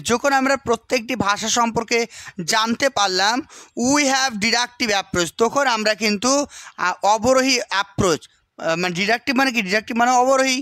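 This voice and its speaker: High-voiced teacher checking understanding. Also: male voice, bright, forceful tone, dry recording, studio quality. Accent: West Bengal Bengali. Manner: keeps asking rhetorical questions and checking understanding; reads English text slowly, then explains it. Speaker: exam-prep teacher. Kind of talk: explanatory lecture.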